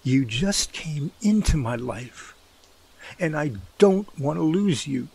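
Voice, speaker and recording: A man's voice: a little high, expressive, slow, gravelly, a little mellow, husky, dry recording, heavily acted. A man playing an earnest, protective brotherly figure in a radio drama, pleading in a folksy way. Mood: tender, heartfelt.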